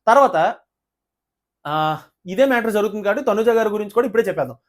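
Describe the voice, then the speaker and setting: Rapid-fire show reviewer ranting to camera, keeps firing rhetorical questions at viewers, mid pitch. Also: lively intonation. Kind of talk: fast casual commentary to camera.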